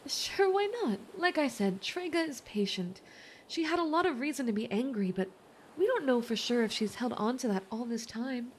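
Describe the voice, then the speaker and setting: A woman playing a kind, reassuring young mermaid in an ASMR roleplay, chatty, gentle and earnest. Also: fairly high pitch, animated, moderate pace, a little hiss or hum, lightly acted. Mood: hopeful, persuading.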